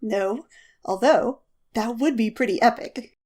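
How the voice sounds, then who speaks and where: A fairly high, youthful voice for an easygoing college student, played by a woman in a romantic comedy podcast. The delivery is casual and flippant, full of dry joking. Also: unhurried, a little mellow. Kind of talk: audio drama romantic comedy dialogue.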